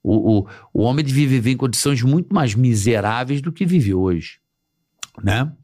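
Hesitant podcast host. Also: male voice, medium pitch, lively intonation, moderate pace, mellow. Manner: hesitant, repeats words while thinking. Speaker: podcast host, former radio presenter. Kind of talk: casual chat.

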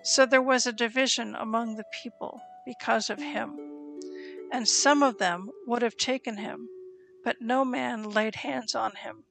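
Woman with a gravelly voice reading scripture. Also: a little high, rough recording. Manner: solemn, even reading pace with deliberate pauses. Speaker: scripture reader. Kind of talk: slow, measured scripture reading. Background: soft instrumental music.

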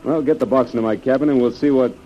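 An actor playing a steady, commanding jungle adventurer in an old radio serial. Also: male voice, medium pitch, natural voice. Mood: confident, curious. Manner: brisk, authoritative. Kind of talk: 1930s radio serial acting. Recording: muffled, noisy old radio recording.

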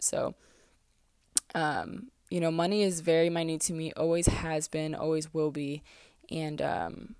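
A woman's voice: low voice, a little mellow, no room sound, studio quality. A woman in her twenties from the East Coast, hosting a casual solo podcast and talking candidly, with many fillers and restarts. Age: 20s. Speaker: podcast host. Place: closet, small room.

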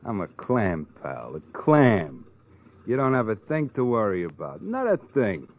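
An actor playing a shady pilot for hire in a 1940s radio crime drama, slangy, wry and easygoing. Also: male voice, on the low side, huge pitch swings, takes it slowly, exaggerated voice. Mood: breezy, sly. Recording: muffled old radio with faint background noise.

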